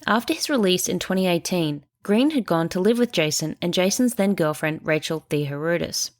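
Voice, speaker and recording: Aussie woman doing true crime narration, kinda stuffy, lowish voice, walks thru the evidence slow and careful. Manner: measured, reasoning aloud through evidence. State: stuffy nose. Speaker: true crime podcast host.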